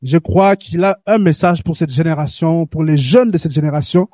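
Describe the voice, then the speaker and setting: A man's voice: on the high side, normal speed, dark tone, no room sound. A man hosting a Christian youth talk show, speaking earnestly and exhorting young listeners, with many restarts. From grew up in Canada. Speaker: host.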